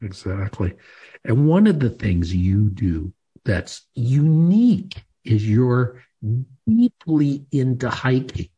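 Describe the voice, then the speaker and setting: A male interview host who speaks slowly and emphatically, with large swings between loud and soft. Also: mid-range voice, slightly rough, dull audio. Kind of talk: interview hosting.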